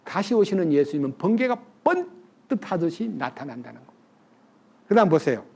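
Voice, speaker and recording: A man's voice: on the high side, very animated, moderate pace, gravelly, darkish tone. A male pastor delivering a sermon in a conversational way, putting questions to the congregation.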